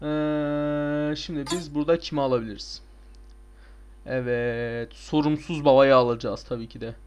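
Excitable young man with high voice. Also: moderate pace, clear, resonant tone. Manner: excitable, swears and shouts at the game. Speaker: gameplay commentator. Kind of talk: casual let's play commentary.

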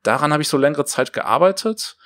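A man's voice: fairly high pitch, lively intonation, brisk, fairly bright tone, dry recording. A man chatting casually in an interview, explaining things in a loose, rambling way. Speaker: audio drama creator, writer and director.

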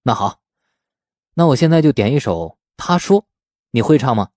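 A man's voice: medium pitch, animated, moderate pace, darkish tone, no room sound, clean studio sound, natural voice. A man voicing an easygoing, righteous young man in an audiobook, speaking conversationally and encouragingly. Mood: teasing.

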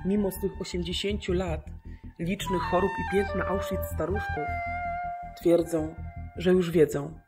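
A woman with a fairly low voice narrates a documentary radio drama. Her delivery is scripted, solemn and measured, with each word carefully articulated. Music plays clearly behind her. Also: steady tone.

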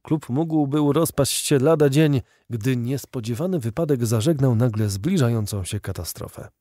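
A man narrating an audiobook novel in a steady, expressive reading style. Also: medium pitch, normal speed, no echo, clean studio sound. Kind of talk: scripted narration.

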